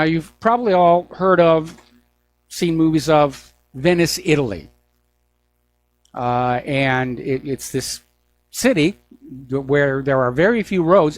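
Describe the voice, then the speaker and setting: An older American man hosting a political news talk show, speaking in an opinionated monologue with deliberate, pause-broken phrasing. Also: medium pitch. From United States.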